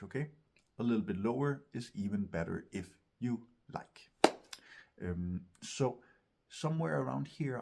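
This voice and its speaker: A man teaching vocal technique in an instructional video, explaining gently step by step and often checking in. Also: medium pitch, vocal fry, breathy edge. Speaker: vocal coach, host of a tutorial series.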